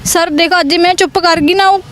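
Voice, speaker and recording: A woman's voice: extremely high pitch, fairly even intonation, brisk, fairly bright tone. A young woman giving urgent, aggrieved interview testimony, repeating her points. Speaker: interviewee, complainant.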